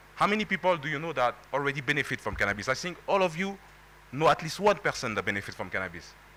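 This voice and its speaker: A man with a non-native accent speaks very fast at a fairly high pitch, his voice making very wide pitch swings. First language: not English. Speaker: cannabis organization executive. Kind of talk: conference speech. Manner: interactive, engaging audience.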